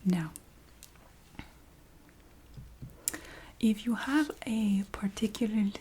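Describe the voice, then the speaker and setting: A woman voicing a chatty, businesslike vampire recruiter in a soft whispered ASMR roleplay. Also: mid-range voice, normal speed, a little hiss or hum, lightly acted, poor audio. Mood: businesslike, confiding. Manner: hesitant, matter-of-fact, checking in with the listener.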